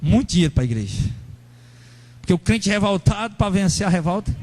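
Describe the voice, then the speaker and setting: High-voiced animated male preacher. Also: a little fast, a little hiss or hum. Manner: animated, acts out angry church members in a raised voice; addresses congregation members directly. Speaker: pastor. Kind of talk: sermon.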